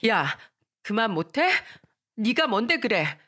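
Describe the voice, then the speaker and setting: A woman voicing a poor young schoolgirl, shrill and pleading, in a radio drama reading. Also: very animated, slow pace, pushed and bright, heavily acted. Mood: defiant.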